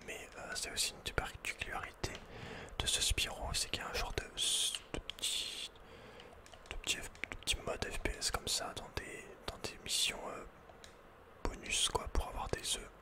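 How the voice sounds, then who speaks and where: A man whispering in a soft, breathy, unvoiced voice as he gives casual ASMR commentary on a video game, with slangy asides. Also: moderate pace. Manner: casual, murmured running reactions with slangy asides. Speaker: ASMR gaming video host.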